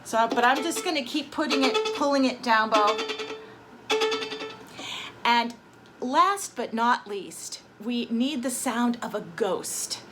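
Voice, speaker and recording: A woman teaches violin in a high, lively voice that swoops up and down. She speaks slowly and gently, explaining each step with patient encouragement. Violin sounds ring out clearly between her phrases. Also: over music, low-quality recording. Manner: storytelling with rising dramatic emphasis. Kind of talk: violin lesson with a told story. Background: violin sound effects between phrases.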